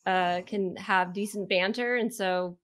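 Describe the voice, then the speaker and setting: A woman's voice: mid-range voice, steady tone, a little slow. A woman being interviewed about her work, chatting casually and loosely. She restarts her sentences often and keeps an easy, talkative flow. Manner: chatty, with frequent restarts and laughter. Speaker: podcast co-host and marketer.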